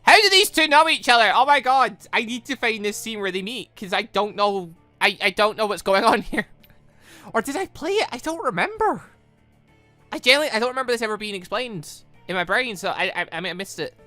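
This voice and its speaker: A gaming YouTuber with a very animated, swooping delivery gives rambling playthrough commentary, thinking aloud. The voice is bright and sits close and dry, with game music playing softly behind it. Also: medium pitch, fairly quick, no echo. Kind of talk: playthrough commentary, reading visual novel dialogue aloud.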